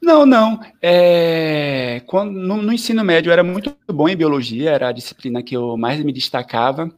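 A man. His voice sits slightly high for a man. He talks in a lively, chatty way as an interview guest, tagging his sentences with fillers. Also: normal speed. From southern Bahia, Brazil. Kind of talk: casual interview chat.

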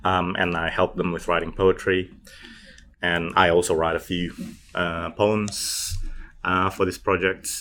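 A man in his thirties from Indonesia, speaking English as an interview guest, thoughtful and halting with many fillers. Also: low voice, flat delivery, a bit bright. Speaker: guest, poet and PhD student. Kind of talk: casual interview answers.

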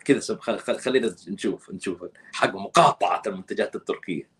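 A man giving casual commentary, animated and scolding, with emphatic oaths. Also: lowish voice, fast, slightly rough.

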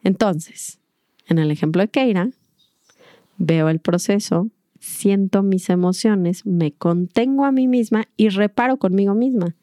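A woman's voice: mid-range voice, a little slow, dark tone, dry recording, clean studio sound. A middle-aged woman gives a reflective, earnest talk to an audience about mindful parenting, acting out little dialogues as she goes.

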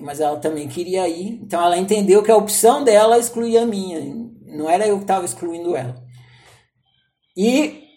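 A man tells a personal story as a spiritual teacher. He is animated and playful, and he acts out his inner debates with lots of back-and-forth fillers. His delivery is casual and conversational. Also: sits high. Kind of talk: storytelling talk.

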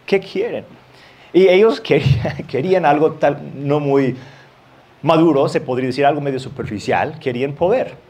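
Un hombre que predica un sermón en tono conversacional, leyendo pasajes bíblicos y riendo un poco de vez en cuando. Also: male voice, a little high, normal speed, a little mellow. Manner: conversational, reads scripture aloud with light laughs. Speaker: pastor. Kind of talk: sermon.

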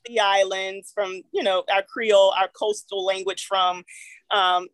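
A woman's voice: medium pitch, flat delivery, unhurried, dry recording, low-quality recording. A woman co-hosting a podcast, explaining a topic with many fillers and restarts. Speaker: podcast co-host. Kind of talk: casual podcast discussion.

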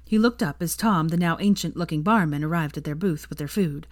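Low-voiced woman reading a story. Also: brisk, no room sound, studio quality. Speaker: fan fiction reader. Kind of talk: scripted narration of a story.

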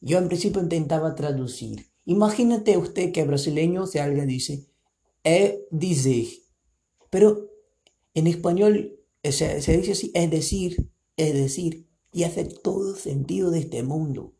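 Low-voiced woman giving earnest advice. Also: normal speed, vocal fry, warm tone. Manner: earnest, encouraging, thinks aloud with hesitations. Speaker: podcast host. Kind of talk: casual advice monologue.

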